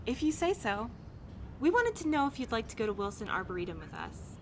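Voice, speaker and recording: A woman's voice: on the high side, sing-song, a little fast, a little hiss or hum. A woman playing a direct, matter-of-fact mail carrier in an audio drama. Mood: direct, inviting. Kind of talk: naturalistic audio drama dialogue.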